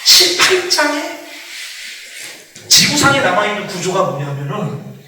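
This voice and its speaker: A man preaching as a missionary, lively and laughing, acting out quoted voices. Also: high voice, a little slow, slight background noise. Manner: animated, acts out quoted voices, laughs often. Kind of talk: sermon lecture. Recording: echoey hall, far from mic.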